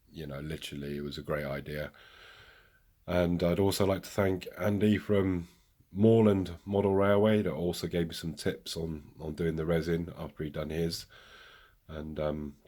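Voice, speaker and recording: Speaking in a low, somewhat mellow voice, a man gives a casual update on his model railway. It's recorded in a hobby room on a camera mic, and he's chatty and self-deprecating, full of rambling tangents.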